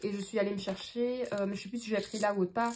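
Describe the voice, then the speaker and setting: A woman's voice: mid-range voice, steady tone, fast, a little mellow, a little hiss or hum. Chatty French woman vlogger. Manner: chatty, with frequent fillers and asides to viewers. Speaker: budgeting vlogger. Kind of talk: casual talk to camera.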